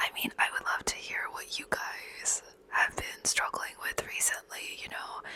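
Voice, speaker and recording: A woman whispers fairly slowly while background noise is clearly audible. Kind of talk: ASMR whisper ramble. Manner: whispered, soft-spoken, intimate, reflective.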